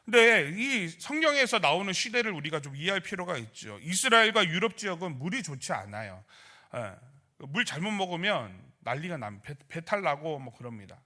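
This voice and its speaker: A man's voice: fairly high pitch, big pitch swings, a little fast, sharp tone. A male pastor preaching at a midweek prayer service, asking the congregation questions and acting out quoted grumbles and prayers. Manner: acts out church members' grumbling and prayers in quoted voices; asks the congregation rhetorical questions.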